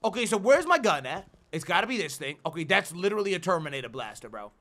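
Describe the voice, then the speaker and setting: A man's voice: sits high, big pitch swings, quick pace, a bit bright. A man in his thirties giving foul-mouthed, exclamatory, slangy comic commentary while playing a video game. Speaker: gaming streamer. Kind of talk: comic let's play commentary.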